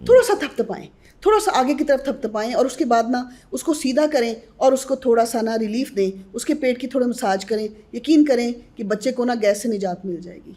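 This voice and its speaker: A woman's voice: fairly high pitch, animated, mellow. A woman who is a guest on a podcast interview, earnestly advising mothers on newborn care and addressing them directly.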